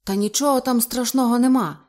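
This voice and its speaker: A woman voicing a young man who tries to sound brave and calm, gruffly reassuring yet a little unsure. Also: medium pitch, normal speed, natural voice.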